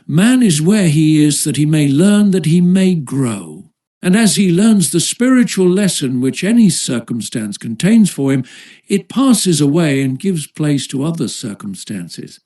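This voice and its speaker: A man reading an audiobook as narrator in a measured, formal manner. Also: medium pitch, darkish tone.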